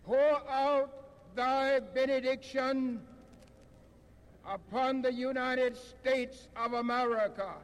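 A minister prays a benediction with extremely slow, cadenced, solemn delivery. His voice sits very high. Long reverb trails each phrase, as from a public address system. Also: fairly even intonation, smooth. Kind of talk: prayer.

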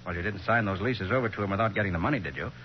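An actor playing a shrewd, assured male detective in a 1940s radio crime drama, brisk and probing. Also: low-pitched, close to an everyday voice. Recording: muffled, noisy 1940s radio recording.

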